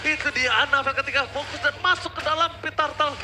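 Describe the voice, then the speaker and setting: A man with an Indonesian accent casts esports play-by-play in a very high-pitched voice. He talks fast, dramatic and emphatic in his excitement. Loud noise runs behind him. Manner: dramatic, emphatic, asks and answers own questions. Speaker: esports caster.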